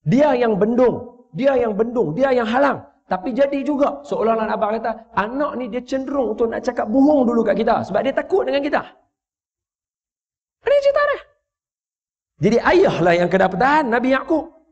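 A man giving a mosque lecture, telling stories lively and voicing the characters as he teases the audience. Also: very high-pitched, a little fast. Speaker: religious preacher. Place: large mosque hall. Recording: echoey dull hall recording.

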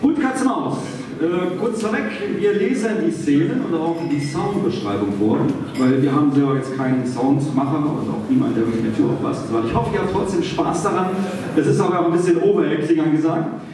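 A man's voice: a little high, a little fast. A man narrates a live stage radio play, reading out scene and sound directions. The recording is distant and heavily reverberant, with some noise. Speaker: performer and narrator. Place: theatre stage before an audience. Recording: echoey stage PA heard from afar, noisy.

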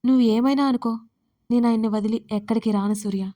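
A woman's voice: fairly high pitch, fairly even intonation, fast, mellow, close to an everyday voice. A woman voicing a frightened but loyal young wife in an audio story, sounding tearful and defiant.

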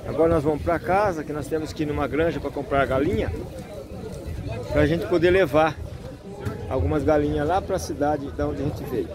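A man's voice: fairly high pitch, background noise. An older man talking to his own camera at an outdoor street market in a casual, chatty way, often laughing. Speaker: vlogger. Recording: busy market crowd behind.

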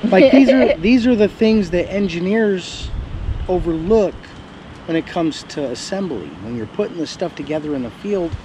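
A middle-aged man in casual chat, telling stories bluntly and getting animated, recorded outdoors by a camera a few meters away. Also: high-pitched, normal speed. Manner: blunt, storytelling, animated when recounting. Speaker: homesteading vlogger. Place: sunny yard outdoors, seated in camp chairs. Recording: noisy outdoor camera audio.

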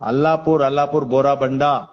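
A man's voice: mid-range voice, fairly even intonation, normal speed. A man with a Hyderabadi accent questioning someone over the phone like a police officer, brusque and insistent. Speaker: caller saying he is a police sub-inspector. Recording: dull, lo-fi phone call recording.

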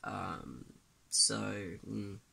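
Still groggy from sleep, this teenage trans vlogger talks in a rambling, candid way, full of fillers and false starts. His lowish voice is husky and gravelly with a sharp tone, very slow yet animated. The phone or webcam sits at arm's length, first in a small bedroom and later at a bedroom desk indoors.

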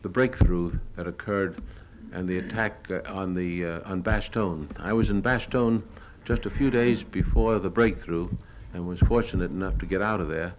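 A low-voiced American man, once a newsreel cameraman, narrates his own war footage and home movies off the cuff. He speaks at a moderate pace with hardly any pauses, matter-of-fact yet hesitant as he reminisces. It's a noisy old recording of live talk.

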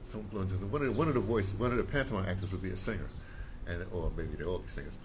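A man's voice: low voice, quick pace. An older man in a casual vlog, rambling and repeating words as he shows his home and patio, filmed on a phone at arm's length. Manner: rambling, repeats words, gestures while explaining. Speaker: vlogger on audio drama. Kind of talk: casual walk-and-talk vlog. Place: small home, then sunny patio outdoors. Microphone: phone camera held at arm's length. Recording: phone recording with clear background noise.

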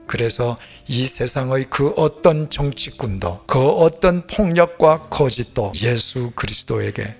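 Older man preaching, gravelly low voice. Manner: measured, earnest preaching, trailing off to a hushed, breathy whisper at sentence ends. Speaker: pastor. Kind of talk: sermon. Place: plain studio stage, indoors. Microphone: headset mic.

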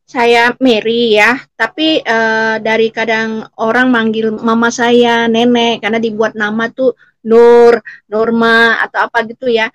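High-voiced halting woman. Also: a bit bright, dry recording. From Selat Panjang, Riau, Indonesia. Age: late 40s. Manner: halting, repeats words and breaks off. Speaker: guest giving testimony. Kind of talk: personal testimony. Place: indoor room, seated, on a video call.

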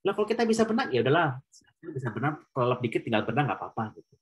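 A man's voice: mid-range voice, very animated, rapid-fire, poor audio. A man preaching conversationally at an online prayer meeting, slipping English phrases into his talk. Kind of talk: casual sermon.

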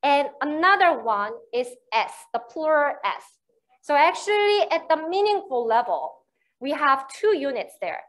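A woman with a Korean accent, a native Korean speaker, gives a university lecture, explaining slowly and often checking in with "right?" and "you know." Her high, somewhat bright voice swings widely in pitch, and the audio quality is poor.

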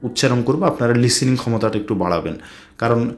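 A man with a Bangladeshi accent teaching basic spoken Arabic, repeating each word slowly and mixing in English phrases. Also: medium pitch. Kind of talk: spoken language lesson.

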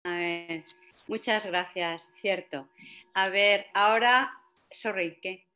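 Female host, sixties, Spain accent. Bright forceful tone, casual moderating, somewhat scattered and teasing. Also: medium pitch, takes it slowly. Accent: Spanish from Spain. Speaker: host, Buddhist nun. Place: indoor shrine room. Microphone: computer mic on video call.

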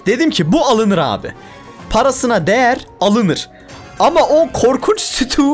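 A young man runs casual gameplay commentary in a high, bouncy voice that jumps all over. He is excitable and plays up his frustration, grumbling to himself. Faint music sits under his voice. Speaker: gaming YouTuber.

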